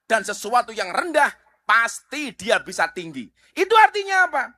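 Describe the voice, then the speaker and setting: A middle-aged man with a Javanese accent preaching a sermon, animated, asking the crowd rhetorical questions. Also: extremely high pitch, moderate pace.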